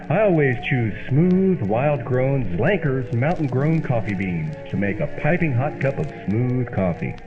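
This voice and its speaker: A man acting as a wisecracking straight man and folksy pitchman in an old-time radio comedy, with an emphatic, theatrical delivery. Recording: dull lo-fi old-radio sound, music behind.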